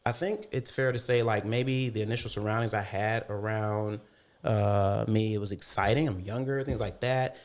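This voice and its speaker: Podcast guest, young man from Alabama, lowish voice, thoughtful, talks around his point with fillers. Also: fairly even intonation, normal speed. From Alabama, USA. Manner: reflective, many fillers and restarts. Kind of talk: casual conversation.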